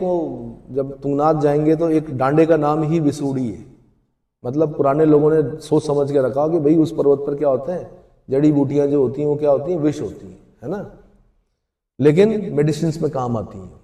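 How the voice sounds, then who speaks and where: A man's voice: on the high side, warm tone, reverberant. A man teaching an exam coaching lecture, who asks questions and then answers them himself.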